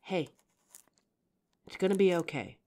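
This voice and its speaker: Protective female bodyguard, played by a woman, flirtatious and caring. Deep register, animated intonation, audio drama intimacy. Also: a little slow. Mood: playful, tender. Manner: gentle, teasing, reassuring.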